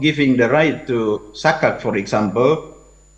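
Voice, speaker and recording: A man with an Indonesian accent at a very slow pace. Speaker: audience member asking a question. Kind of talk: question at academic seminar. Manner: halting.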